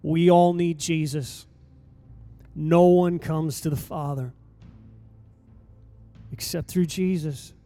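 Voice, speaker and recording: A man with a high, mellow voice preaches to his congregation in a church sanctuary. He drives his points home with emphatic stresses and long dramatic pauses, while soft music plays faintly behind him. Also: steady tone. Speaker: pastor. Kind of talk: sermon.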